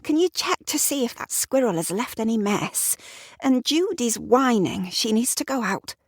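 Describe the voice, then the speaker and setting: A woman voicing a tense, irritable wife who talks in a sharp, exasperated way. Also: very animated, moderate pace, no echo, clean studio sound. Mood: irritated. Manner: sharp, exasperated, high-strung.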